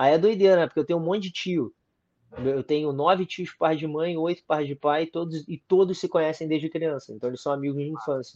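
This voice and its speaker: In an ordinary speaking voice, a man talks at a fairly quick pace with fairly high pitch and fairly even intonation, the sound dry and close with no echo. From Rio de Janeiro, Brazil (Copacabana). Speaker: jiu-jitsu fighter. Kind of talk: casual chat.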